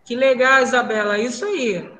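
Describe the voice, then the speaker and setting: A woman with a Brazilian Portuguese accent teaching a primary class online, brisk and questioning, calling pupils by name. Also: fairly high pitch, sharp tone, roomy sound, rough recording.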